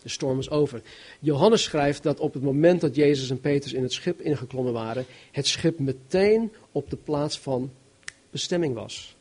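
A man preaching a sermon, reading Bible verses and explaining them in an animated, emphatic way, swinging between loud and soft. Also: mid-range voice, normal speed, slightly rough. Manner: animated, emphatic, varies loudness widely.

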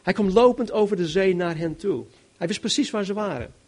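Animated Dutch-speaking male preacher. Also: high-pitched, a little fast. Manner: animated, emphatic, varies loudness widely. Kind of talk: sermon, Bible exposition.

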